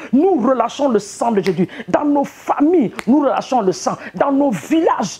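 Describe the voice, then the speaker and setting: A woman speaks fairly slowly. She hardly pauses at all. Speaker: prayer leader. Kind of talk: fervent spoken prayer. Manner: insistent, exhorting, commanding tone. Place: home room. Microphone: lapel.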